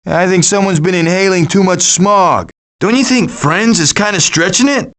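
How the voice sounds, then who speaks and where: RJ, a high-pitched wisecracking cartoon raccoon. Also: male voice, normal speed, fairly bright tone. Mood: cocky, quipping. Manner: glib, sarcastic, cocky quipping. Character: wisecracking, scheming cartoon raccoon leader of a food-thieving gang. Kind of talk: animated video game voice acting.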